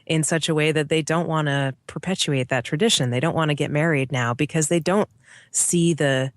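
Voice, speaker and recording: A woman's voice: deep voice, normal speed, no room sound, studio quality. A woman in her thirties, a guest in a casual interview, talking earnestly and thoughtfully, often tagging on "like" and "right?". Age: 30s.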